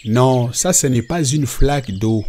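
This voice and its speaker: A man playing a patient father in a Christian children's cartoon, explaining things step by step in a husky voice. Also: mid-range voice, a little slow, warm tone, natural voice. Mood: patient, instructive. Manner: didactic, explains definitions step by step.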